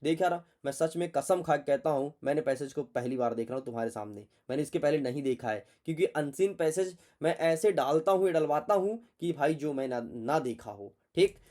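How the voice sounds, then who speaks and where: A man's voice: fairly high pitch, animated, a little fast, hardly any pauses, darkish tone. A man teaching an exam prep lesson, chatty and playful, talking straight to his students and muttering to himself while he searches the text.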